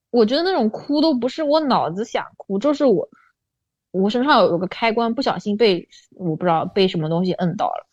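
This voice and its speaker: A woman's voice: medium pitch, a little mellow, dry recording. A young adult woman telling a personal story as a podcast guest, often asking "you know?" and slipping English words into her talk. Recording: dull, dry lo-fi recording.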